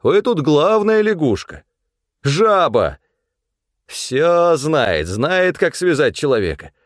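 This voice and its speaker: A man voicing a furious middle-aged man who yells scornful insults. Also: fairly high pitch, very animated, takes it slowly, dry recording, clean studio sound, voice pushed up. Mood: defiant jeering. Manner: yelling, mocking, scornful.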